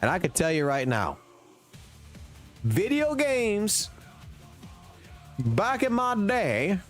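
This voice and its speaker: A man's voice: sits high, huge pitch swings, takes it slowly, soft background music. A man in his thirties ranting profanely and emphatically on a casual gaming livestream, talking into a desk mic at a home streaming setup. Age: 30s.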